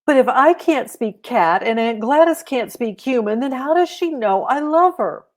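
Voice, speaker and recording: A woman voicing an earnest, curious young girl in a children's storybook, with a childlike, expressive manner. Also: high-pitched, normal speed, pitched above the performer's own voice. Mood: eager, earnest. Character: earnest, curious young girl who loves her cat. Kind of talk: children's storybook read-aloud.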